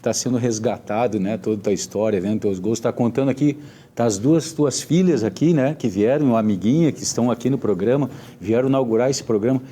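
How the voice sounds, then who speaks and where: A man with a Gaúcho Brazilian accent hosting a live talk show, speaking haltingly with frequent tag questions. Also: mid-range voice, warm tone. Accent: Gaúcho Brazilian Portuguese. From Porto Alegre region, southern Brazil. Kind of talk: casual live interview.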